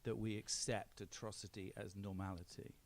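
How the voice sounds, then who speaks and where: A man's voice: fairly low pitch, level tone, normal speed. A man from Belfast giving opinionated answers on a live panel, emphatic and repeating phrases to drive points home. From Belfast, Northern Ireland. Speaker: film director, panel guest. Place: on stage at a film premiere event.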